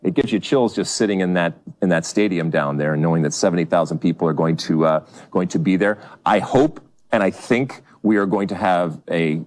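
A man with a very low, deep voice talking as a soccer analyst. He sounds excited but halting, full of fillers and restarts. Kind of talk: clip of interview remarks.

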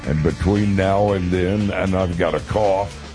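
A man with a deep voice hosting Christian talk radio, speaking in a folksy, deliberate, conversational way with emphatic repetition. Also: steady tone, music in the background. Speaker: radio talk show host.

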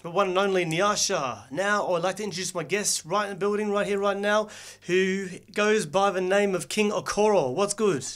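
A man hosting a casual radio interview, halting and rephrasing with many fillers. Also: high voice, a bit bright. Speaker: radio host.

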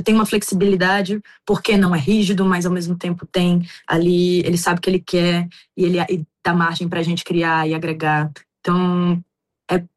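A young adult woman from Bahia, an actress answering interview questions in a reflective way, with many fillers and restarts. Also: fairly low pitch. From Bahia, Brazil.

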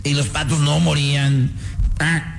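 A man with a Mexican accent hosting a comedy show, loud and slangy, telling jokes with animated delivery. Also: on the high side, unhurried, vocal fry. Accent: Mexican Spanish. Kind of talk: rowdy comedic banter and joke telling.

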